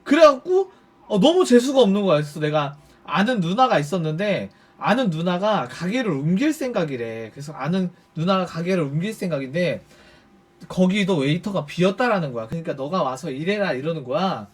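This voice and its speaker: A man with a high voice that swings widely up and down tells a personal story to his viewers. His delivery is casual and animated, and he curses freely and acts out other people's lines as he goes. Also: fairly quick, slightly rough. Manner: animated, swears freely, acts out quoted speech. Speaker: YouTuber storyteller.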